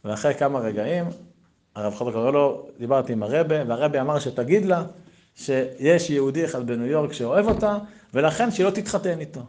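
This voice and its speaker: A man telling a Hasidic story in a lively way, acting out the dialogue and swinging between loud and soft. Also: mid-range voice. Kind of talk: animated Hasidic storytelling talk.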